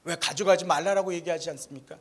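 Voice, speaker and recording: A man's voice: fairly high pitch, quick pace, a bit bright, voice pushed down. A man voicing an earnest native villager who questions the missionary and reacts in surprise. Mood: puzzled.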